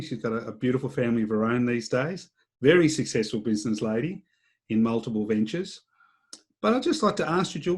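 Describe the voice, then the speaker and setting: Easygoing man hosting a podcast. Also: medium pitch. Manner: friendly, easygoing questioning. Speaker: podcast host.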